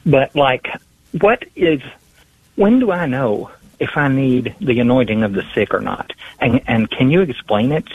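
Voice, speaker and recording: A man calling in to a radio show, talking in a friendly, joking, slightly halting way. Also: medium pitch, lively intonation, breathy edge, dry recording. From Tennessee, US. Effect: phone line. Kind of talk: call-in question. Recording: tinny phone line, dry.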